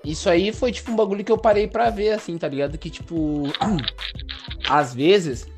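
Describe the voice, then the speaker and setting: Man, casual slangy chat, rambling with fillers, slightly high voice, faint music behind. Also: moderate pace.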